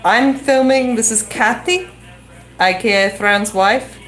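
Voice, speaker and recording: A woman's voice: fairly high pitch, slow, fairly bright tone, faint music behind. A woman from New Zealand with a New Zealand accent and a slight English tinge, reading viewer comments aloud off camera and stumbling over foreign names. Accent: New Zealand with some English influence. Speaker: co-host reading viewer chat. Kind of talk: casual live-stream chat. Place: same small room, off camera behind the camera.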